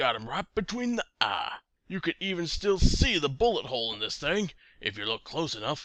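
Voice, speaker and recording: Putting on a character voice, a man speaks at a moderate pace in a raspy, high pitch with very wide pitch swings. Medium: read story. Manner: rambling, bragging.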